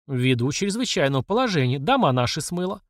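A fierce older mother full of folksy sayings, high and lively in pitch, as a male narrator puts her on. The recording is close and dry. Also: a little fast, no echo. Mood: indignant. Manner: shouting, mocking, folksy sayings. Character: fierce, furious older working-class mother.

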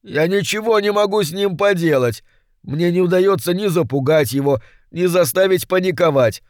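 A man voicing a desperate, whining minor male demon, pleading in a strained high voice for an audiobook. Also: moderate pace, no room sound, clean studio sound, natural voice. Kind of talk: audiobook character voice.

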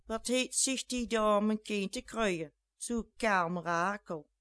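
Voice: mid-range voice, takes it slowly, a bit bright, dry recording, clean studio sound. A reader voicing a fierce Flemish mother scolding. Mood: indignant. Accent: Flemish dialect. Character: angry woman, a fierce protective mother. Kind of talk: dialect storytelling.

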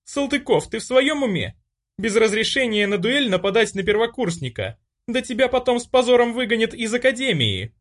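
A man's voice: mid-range voice, animated, moderate pace, pitched above the performer's own voice, close to an everyday voice. A man voicing a stern young female noble student who speaks in a commanding way. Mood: angry.

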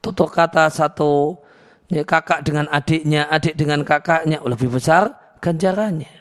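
A man giving an Islamic lecture on hadith, explaining calmly with many restarts and reciting Arabic verses before translating them. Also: on the high side, normal speed. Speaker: Islamic teacher.

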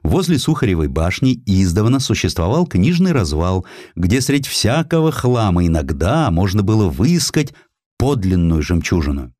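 Male storyteller, low pitch, highly varied intonation, theatrical literary narration, dry close sound. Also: normal speed, no room sound. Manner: expressive, theatrical delivery. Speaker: audiobook narrator. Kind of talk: dramatized literary narration of a historical essay.

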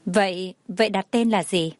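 A woman's voice: mid-range voice, moderate pace, no room sound, close to an everyday voice. A woman voicing a flustered young male assistant who sounds incredulous and stammers.

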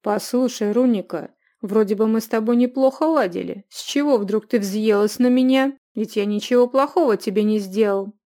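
A woman's voice: on the high side, moderate pace, few pauses, dark tone, close to an everyday voice. A woman reader voicing an indignant, sulky young man who has been posing as a lady.

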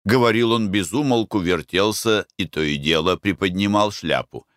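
A man reading a novel aloud as an audiobook narrator, measured and expressive. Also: deep voice, no room sound, studio quality. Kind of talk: scripted narration.

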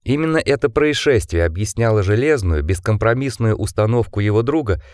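Low, expressive male audiobook narrator. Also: brisk, dry recording, studio quality. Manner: dramatic, expressive reading.

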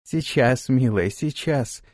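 A man's voice: mid-range voice, sing-song, moderate pace, a little mellow, dry recording, clean studio sound. A man voicing a bossy but caring woman who leads the way, speaking firmly. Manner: commanding, reproachful.

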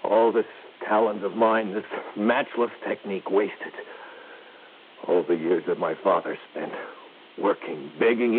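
An actor playing a grandiose, self-pitying violinist in an old radio drama, declaiming melodramatically. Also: male voice, fairly low pitch, natural voice. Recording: tinny, hissy old radio recording.

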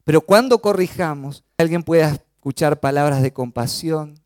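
A man's voice: a little high, moderate pace, a little mellow, no room sound, studio quality. A man from Chaco with an Argentine accent, preaching a sermon with emphasis and frequent rhetorical questions. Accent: Argentine Spanish.

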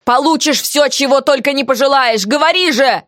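A woman voicing a shouting, bad-tempered captor. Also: high-pitched, normal speed, dry recording, clean studio sound, voice pushed up. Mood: demanding. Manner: loud, demanding, angry.

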